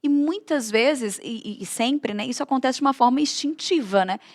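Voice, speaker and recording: A woman's voice: high-pitched, normal speed, dry recording. Brazilian woman host, dry close sound. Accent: Brazilian Portuguese. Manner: conversational, prompting questions. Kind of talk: casual talk show chat.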